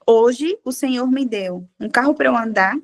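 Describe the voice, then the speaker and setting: A woman with a high, bright-sounding voice shares her testimony in a relaxed devotional chat among women. She tells her stories animatedly and acts out the dialogue as she goes. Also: moderate pace. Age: adult with a child. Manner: animated storyteller, acting out dialogue. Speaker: devotional group participant.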